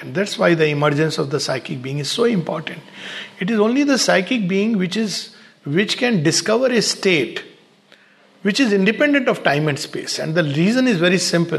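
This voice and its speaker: Man, gravelly and a touch high-pitched, steady reflective spiritual speaker, measured pauses. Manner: unhurried, pausing often in short phrases.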